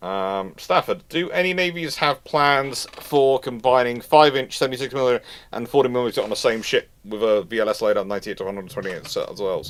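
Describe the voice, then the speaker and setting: A man's voice: mid-range voice, a little fast. A British man hosting a live question-and-answer stream, giving informal, discursive and opinionated expert commentary with repeated points. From United Kingdom.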